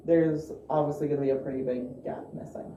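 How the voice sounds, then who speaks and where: A woman playing an excitable, eager internet sleuth with an emphatic manner in found-footage style. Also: deep voice, a little fast, far from the mic, lo-fi sound, natural voice. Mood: earnest. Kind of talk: improvised found-footage acting. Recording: echoey, noisy room, off the microphone.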